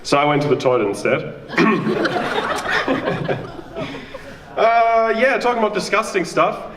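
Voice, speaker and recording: A man's voice: high-pitched, very animated, slow pace, echoey room, far from the mic, very noisy. A young man from Germany with a German accent, doing a chatty, self-mocking stand-up set and bantering with the crowd. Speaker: stand-up comedian. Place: small live venue with audience.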